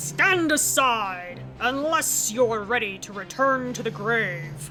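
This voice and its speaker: A put-on character voice, female-sounding and medium-pitched, at a very slow pace over clear background music. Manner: melodramatic, threatening.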